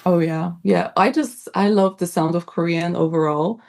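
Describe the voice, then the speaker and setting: A woman's voice: lowish voice, fairly even intonation, normal speed, vocal fry, a little mellow. Chatty young woman. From Poland. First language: Polish. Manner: chatty, upbeat, with frequent laughs and fillers. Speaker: guest, writer and academic. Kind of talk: casual interview chat.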